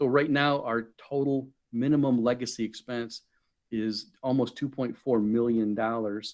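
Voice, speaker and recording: A man with an ordinary speaking voice talks at medium pitch, fairly slowly, with fairly even intonation. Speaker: nursing facility administrator presenting to county board. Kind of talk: budget presentation at government committee meeting. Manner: many fillers and repetitions.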